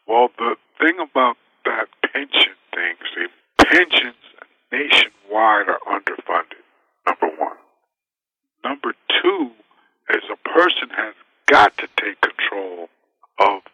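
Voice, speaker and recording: A man's voice: lowish voice, bright, forceful tone, husky, no room sound, poor audio. A man appearing as a financial advisor guest, speaking emphatically and with assurance, sometimes asking rhetorical questions. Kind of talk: interview answers.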